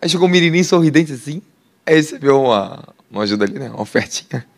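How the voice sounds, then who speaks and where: A man with a Brazilian Portuguese accent preaching a sermon, animated and laughing, putting questions to the congregation. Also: mid-range voice, fast talker. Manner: animated, asks the crowd questions, laughs often. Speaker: apostle preacher. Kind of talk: sermon teaching.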